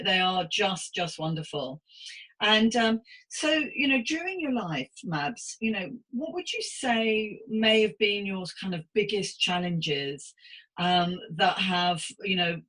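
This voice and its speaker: A woman hosting a podcast as a psychotherapist, interviewing in an effusive, gently encouraging, conversational way. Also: fairly low pitch, rough recording.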